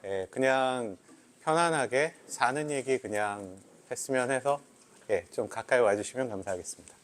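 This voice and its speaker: Relaxed man speaker addressing an audience. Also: medium pitch, moderate pace. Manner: friendly, relaxed, addresses crowd directly. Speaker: guest therapist speaker. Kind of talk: relaxed stage talk with audience. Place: indoor event hall.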